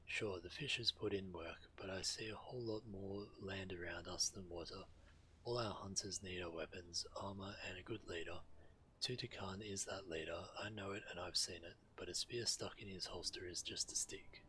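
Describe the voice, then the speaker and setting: A man's voice: low voice, steady tone, normal speed, sharp tone, slight background noise, rough recording. A man reading solemn fantasy quest dialogue of tribal villagers aloud on a game stream. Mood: earnest.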